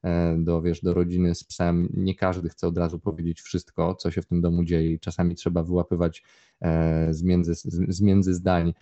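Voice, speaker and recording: A man with a very low, dark voice talks as a dog trainer in a podcast conversation. He explains at length, with plenty of fillers and restarts. The audio is slightly dull. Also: monotone, normal speed. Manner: long explanatory answers with many fillers.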